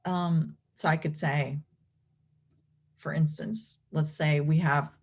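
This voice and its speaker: Low, husky woman lecturing. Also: steady tone, slow pace. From Venezuela. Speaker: clinical professor and behavior analyst presenting research. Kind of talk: explanatory academic lecture.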